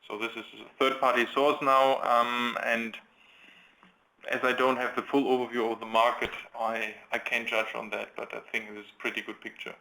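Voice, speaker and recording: Bright-voiced man answering on an investor call. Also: mid-range voice, gravelly, low-quality recording. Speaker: company executive answering analysts.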